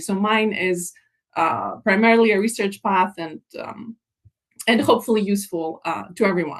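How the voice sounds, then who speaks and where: A woman is speaking. She has a Greek accent. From northern Greece. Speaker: environmental engineer. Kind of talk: webinar presentation.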